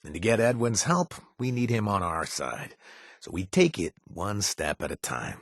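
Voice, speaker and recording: A wry former raider from a video game, husky and a little low, with a lively delivery. He hedges and stumbles with fillers, then cracks puns. The studio sound is close and dry. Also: normal speed, no room sound. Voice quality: husky, punning, easygoing. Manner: wry and hesitant, lots of uh fillers. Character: wry former raider man, trying to stay clean. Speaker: companion character.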